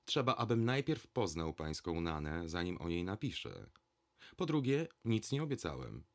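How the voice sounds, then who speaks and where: A man voicing a calm, ironic journalist. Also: sits low, moderate pace. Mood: dismissive. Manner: calm, dry.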